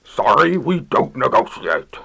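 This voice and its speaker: Gravelly, blustery city mayor. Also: male voice, mid-range voice, big pitch swings, measured pace, bright, forceful tone, exaggerated voice. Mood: dismissive. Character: blustery, easily cowed male city mayor. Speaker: voice actor. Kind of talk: comedic old-time radio drama acting.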